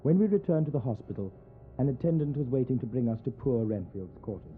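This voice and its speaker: A grave diarist, voiced by a man recounts horrors in measured, scripted narration. The mid-pitched voice sounds narrow and tinny, with light music underneath. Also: lively intonation, lightly acted. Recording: thin phone-like audio with faint music.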